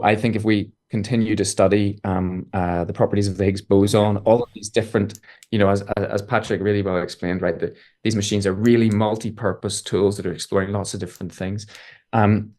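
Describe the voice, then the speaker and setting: A man talking as a guest physicist in an interview, explaining in a thoughtful, measured way. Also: lowish voice, darkish tone. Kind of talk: casual interview talk.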